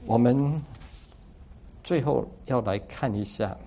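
A man's voice: mid-range voice, slow pace, vocal fry, dark tone. A man preaching a sermon, teaching through a Bible passage in an explanatory way and dropping English words into his speech. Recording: dull lo-fi recording.

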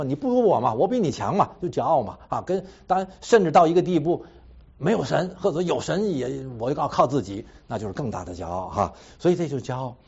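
A man's voice: a little high, husky, muffled recording. A man giving a personal testimony to a congregation, repeating phrases, tacking a casual "ha" onto his sentences and laughing at himself between points. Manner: animated storytelling with repeated phrases and a habitual trailing "ha".

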